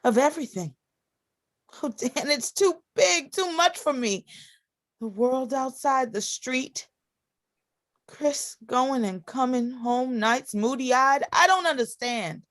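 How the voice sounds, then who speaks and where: A woman's voice: high-pitched, expressive, takes it slowly, fairly bright tone, exaggerated voice. A woman playing a frail, timid, anxious and devoted young sister in a stage play reading. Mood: wistful, fearful. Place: video call play reading.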